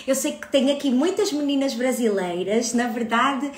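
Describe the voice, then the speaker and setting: A Portuguese woman in her thirties chats on a live stream about her book club. She speaks unhurriedly in a slightly high voice, greeting viewers by name and laughing often. Her voice rings a little in an echoey room. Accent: European Portuguese. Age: 30s. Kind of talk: casual live stream chat.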